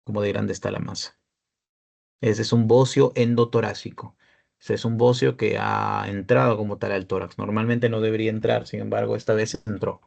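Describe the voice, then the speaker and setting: A man's voice: fairly low pitch, little pitch movement, normal speed, vocal fry, a little mellow, dull audio. A young man giving a peer-tutoring radiology lecture, explaining cases and checking in often with his listeners. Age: young adult.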